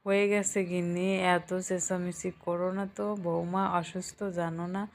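A woman voicing a sentimental middle-aged father who scolds his wife gruffly, in an audio story. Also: on the low side, little pitch movement, moderate pace, natural voice. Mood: fond.

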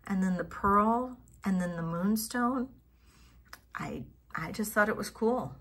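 A middle-aged woman casually showing off vintage jewelry finds, thinking aloud and trailing into soft mutters as she tests stones. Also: medium pitch, slow pace, husky. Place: home office at a table.

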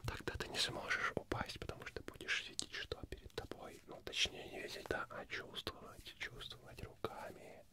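A young man playing a sly, playful Cheshire Cat in a whispered role-play, murmuring repetitively in a breathy, barely audible whisper close to the mic. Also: normal speed, hardly any pauses, lightly acted. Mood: secretive, teasing. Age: young adult. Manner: repetitive, hushed, half-intelligible murmuring. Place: small foam-padded indoor studio. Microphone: close ASMR microphone.

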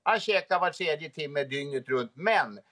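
A man's voice: fairly high pitch, expressive, fairly bright tone. A middle-aged man chatting casually as an interview guest on a video call from home. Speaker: guest, moose park keeper. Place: room at home, indoors. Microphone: phone video call.

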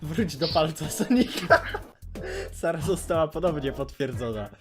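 A man's voice: a little high, lively intonation, measured pace, music in the background. A man narrating an amateur comic parody dub in an informal, jokey way, slipping into casual banter.

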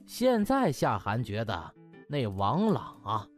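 A man narrating a comic audiobook in an animated, theatrical way with drawn-out emphasis. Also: mid-range voice, faint music behind.

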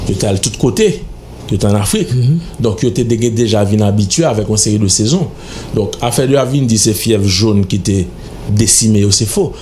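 A man's voice: lowish voice, darkish tone, slight background noise. A middle-aged man with a Haitian accent, a guest in a radio studio interview, speaking in an emphatic, lecturing, insistent way into a studio microphone. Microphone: studio mic on stand.

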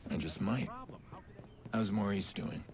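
A low, gravelly brooding vigilante. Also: male voice, very noisy. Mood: guarded, dry. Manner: terse, brooding, deliberate. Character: grim, brooding male vigilante hacker in an action game. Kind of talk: video game voice acting, inner monologue. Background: game music.

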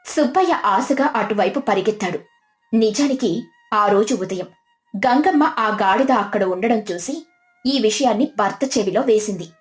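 A woman narrating a scripted village moral tale in storybook style. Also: on the high side. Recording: music behind the voice.

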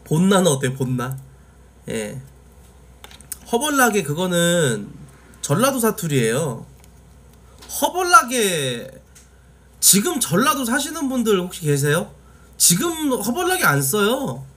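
A man's voice: high-pitched, very animated, measured pace, a bit bright, husky. A man from Jeolla, South Korea, chatting casually on a live stream. He talks bluntly, swears freely and answers his chat directly.

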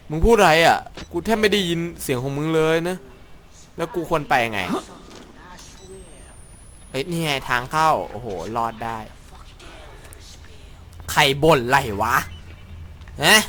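A young man talks his way through a horror game, rambling and crude, joking to himself and putting on bravado between startled yelps. His voice is bright and fairly high for a man, and it swings widely in pitch. He speaks at an unhurried pace. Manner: jokey, crude and rambling, mock-brave, yelps when startled. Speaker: gaming YouTuber. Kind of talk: horror game let's play commentary.

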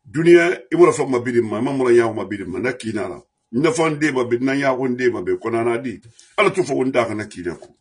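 A diaspora commentator from Guinea, with a husky, animated, medium-pitched voice and a quick pace, launches into a passionate political monologue. He becomes heated, breaks into shouts, and runs through his grievances in repeated refrains.

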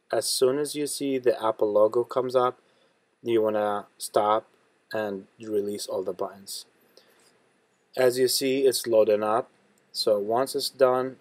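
Low-voiced man giving tech tutorial. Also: no room sound. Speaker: tutorial host. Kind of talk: step-by-step tech tutorial narration.

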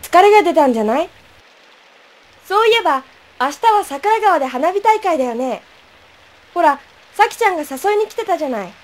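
Young woman playing high-voiced, caring older student. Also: expressive, brisk, pauses often. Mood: bright, concerned. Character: caring, cheerful older female university student. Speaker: student radio drama actor. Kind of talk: amateur radio drama acting. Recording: clear ambient noise behind.

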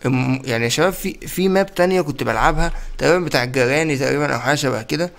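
An excitable young man with an Egyptian Arabic accent commentates a game, chatting constantly with his viewers. He rattles along at a very rapid clip in a somewhat high voice. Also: creaky. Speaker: gaming YouTuber. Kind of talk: let's-play commentary.

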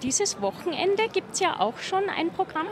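A woman's voice: very high voice, lively intonation, measured pace. A woman in her thirties hosting an interview outdoors at a street festival, speaking into a handheld mic. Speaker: host. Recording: street noise behind.

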